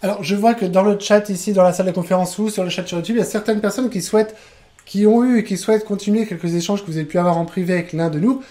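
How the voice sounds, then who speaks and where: Guy running a live webinar, warm mellow voice, chatty and enthusiastic, lots of restarts. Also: high-pitched, fairly even intonation, racing. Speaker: online trainer and webinar host.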